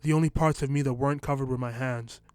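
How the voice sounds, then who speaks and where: Man narrating a dark superhero story. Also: medium pitch, steady tone, quick pace, clear, resonant tone, no echo. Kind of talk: scripted first-person narration.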